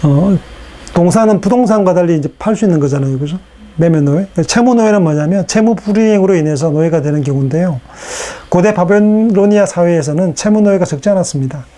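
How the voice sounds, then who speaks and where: A man giving a recorded lecture in a casual, unhurried way, with fillers and rhetorical questions, his voice strained from hours of recording. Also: high voice, lively intonation, warm tone.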